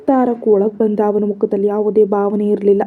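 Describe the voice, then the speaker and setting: A woman narrating an audio story in a measured way, with a husky voice and a flat, even delivery. The recording sounds slightly dull and lo-fi. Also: medium pitch.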